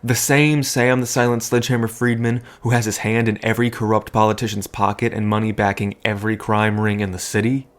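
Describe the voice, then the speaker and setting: A man playing a wry, cautious sidekick to a poker boss, with a dry, deliberate delivery in a scripted audio drama. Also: lowish voice, level tone, close to an everyday voice. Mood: puzzled.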